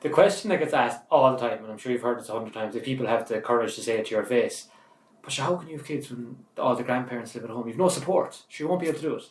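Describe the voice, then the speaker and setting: A man hosting an interview, friendly and quick to laugh. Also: medium pitch, echoey room, distant mic. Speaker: podcast host. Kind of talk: casual interview.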